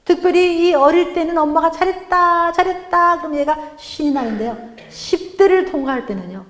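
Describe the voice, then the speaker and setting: Middle-aged lady giving a talk at church, kinda high voice, lots of echo. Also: a little fast. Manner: animated, acts out quoted lines of family members. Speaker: guest speaker at a church mothers' prayer meeting. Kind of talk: lively lecture-sermon. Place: church sanctuary. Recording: echoey church hall.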